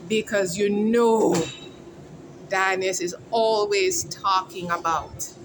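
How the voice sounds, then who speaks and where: A woman's voice: medium pitch, fairly even intonation, slow pace, noisy background. A woman hosting a casual outdoor interview vlog, chatty and calling her viewers "guys". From Jamaica. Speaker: host. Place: outdoors at a mall food court.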